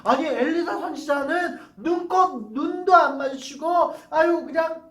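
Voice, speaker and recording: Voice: sits high, unhurried, a bit bright. A preacher telling a Bible story to young children in church, exclaiming and asking the kids questions along the way. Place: church worship room. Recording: roomy hall, voice from a distance.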